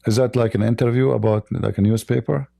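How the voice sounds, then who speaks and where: Gravelly Arab man with a blunt tone. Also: medium pitch, fairly even intonation, fast talker, dark tone, no room sound, studio quality. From Middle East. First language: Arabic. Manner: scornful, blunt, broken English grammar. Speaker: livestream debate host. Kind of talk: combative religious debate.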